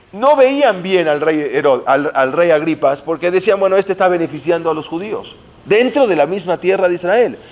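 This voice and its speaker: A man's voice: on the high side, darkish tone. A man teaching Jewish history, telling the story dramatically and mixing in Hebrew terms. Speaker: Torah teacher.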